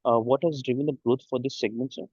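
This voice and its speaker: A man with an Indian accent politely asking questions as an analyst on a conference call, with halting phrasing. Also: mid-range voice, fairly even intonation, darkish tone, slightly rough, no echo. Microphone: conference call line. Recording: dry, dull conference-call line.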